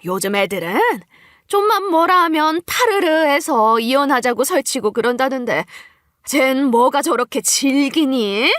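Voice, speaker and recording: A scornful, scheming older mother-in-law as a woman narrator acts her out in an audio story. She nags in drawn-out, emphatic phrases, pitched rather high. The recording is close and dry. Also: expressive, a bit bright, no room sound. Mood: exasperated, spiteful.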